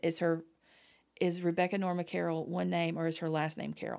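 A woman at a fairly low pitch and a fairly quick pace, with an American accent, on a very clean recording with a silent background. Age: 40s. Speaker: comedian. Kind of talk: casual chat. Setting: studio.

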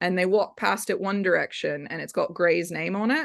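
A woman with an unremarkable speaking voice talks at a moderate pace and medium pitch, with lively intonation. The background is quiet. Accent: American. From US South, Memphis, Tennessee. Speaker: film producer. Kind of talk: interview.

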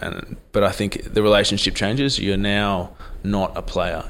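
Here a man speaks in an Australian accent at a fairly low pitch. His intonation is flat and monotone, at a moderate pace. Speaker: retired professional rugby player. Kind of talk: interview. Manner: halting.

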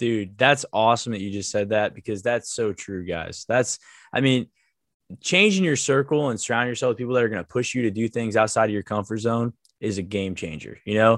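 On a very clean recording with a silent background, a man at medium pitch speaks at a fairly quick pace with ordinary pitch variation. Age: 20s. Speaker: podcast host. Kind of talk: interview. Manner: animated.

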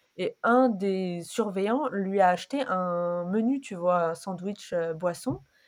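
On a very clean recording with a silent background, a woman speaks very slowly yet with hardly any pauses, at medium pitch with ordinary pitch variation. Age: 30s. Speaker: podcast host. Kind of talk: casual chat.

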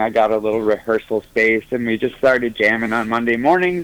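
Fairly quick and medium in pitch, a man speaks in an unremarkable speaking voice. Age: 30s. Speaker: band drummer. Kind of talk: interview.

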